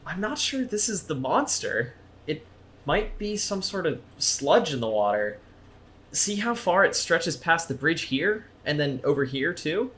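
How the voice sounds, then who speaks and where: A man's voice: fairly high pitch, sing-song, measured pace, fairly bright tone. A man playing a thoughtful monster investigator in an audio drama, explaining things in a tentative way. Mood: tentative, intrigued. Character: Reese, thoughtful, well-informed male monster investigator. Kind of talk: naturalistic audio drama dialogue.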